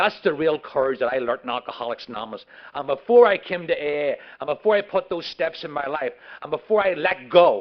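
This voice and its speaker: In an Irish accent, a man talks very fast at a high pitch with lively intonation and big swings in loudness. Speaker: recovery speaker. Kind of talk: testimony.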